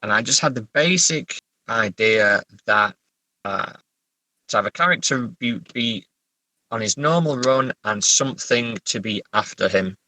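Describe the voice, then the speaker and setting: A man's voice: medium pitch, expressive, measured pace, bright, forceful tone, dry recording, low-quality recording. A middle-aged man with an English accent, an author being interviewed, talking casually in a hesitant, thoughtful, understated way. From England.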